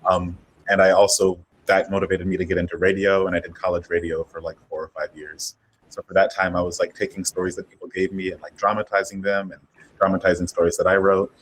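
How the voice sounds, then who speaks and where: A man's voice: deep voice, flat delivery, quick pace, a little hiss or hum, rough recording. A man chatting casually as a panelist, effusive and peppering his talk with "like". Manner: effusive, heavy use of "like". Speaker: panelist, audio drama creator.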